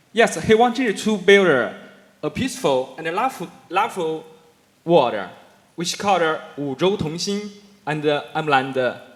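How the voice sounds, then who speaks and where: A high-pitched man with a Chinese accent, fairly slow and lively in intonation, with long, frequent pauses and noticeable background noise. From China, Henan province. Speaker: young leader. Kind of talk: short speech at conference. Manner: halting.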